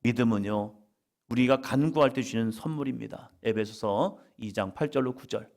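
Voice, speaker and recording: A middle-aged man preaching a sermon at a church worship service, alternating loud emphatic declarations with hushed whispers and acting out quoted prayers. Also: mid-range voice, normal speed, vocal fry. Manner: acts out quoted prayers and voices of others. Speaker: pastor.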